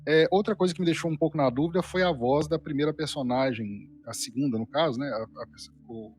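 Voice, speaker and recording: A man's voice: on the high side, a little fast, a little mellow. Brazilian man giving a hesitant casual critique. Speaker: guest reviewer. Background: faint background music.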